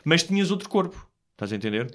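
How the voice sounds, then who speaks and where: A man's voice: on the high side, sing-song, fast, a bit bright. A man with a European Portuguese accent explaining ideas in casual conversation, often checking that he is understood.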